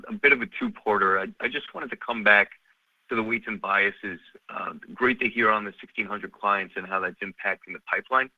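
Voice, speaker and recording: A man with a fairly low but very sharp, tense voice, asking questions as an analyst on an earnings call. He is informal and wordy, and the lo-fi line sounds dry. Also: no echo.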